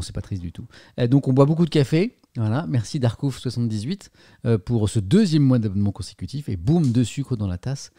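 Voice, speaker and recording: A man's voice: on the low side, dark tone, no room sound. A middle-aged man hosting a casual livestream, chatting and joking as he reads out viewer messages, often stumbling over and repeating his words. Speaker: livestream host.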